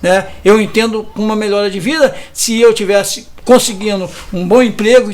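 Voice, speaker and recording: A man, giving an indignant interview testimony and often ending sentences with a question tag. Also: very high-pitched. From Brazil. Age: 50s. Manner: hesitant restarts. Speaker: community resident interviewed about evictions.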